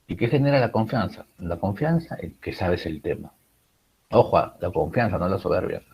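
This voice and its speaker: A man's voice: sits low, animated, normal speed, darkish tone, breathy edge, rough recording. A man teaching a writing class, explaining public speaking with many rhetorical questions and fillers. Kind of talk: recorded class lecture.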